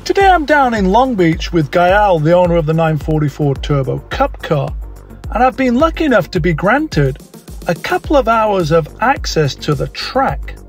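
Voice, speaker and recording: Lively high-voiced male host. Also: normal speed, faint music behind. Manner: lively, playful, chatty. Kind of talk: narration then casual interview.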